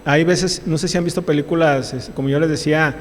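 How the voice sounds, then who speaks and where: A man's voice: fairly high pitch, steady tone, fairly quick, long reverb tail, slight background noise. A man with a Mexican accent, a labor lawyer, gives a university lecture in an emphatic, repetitive way, restarting often. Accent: Mexican Spanish. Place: lecture hall.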